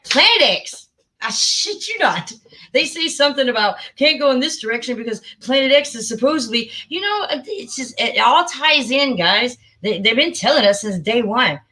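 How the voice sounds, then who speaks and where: A woman hosting a casual livestream, chatty and excitable, muttering to herself as she searches for something. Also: sits high, moderate pace, poor audio. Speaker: livestream host.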